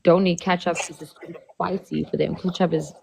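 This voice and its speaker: A woman from South Africa in her thirties hosts a relaxed live chat, laughing easily and rambling through stories. Her voice is low and gravelly. A faint hiss sits under the recording. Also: brisk. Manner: laid-back, laughing, loose storytelling. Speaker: livestream host. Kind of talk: casual chat.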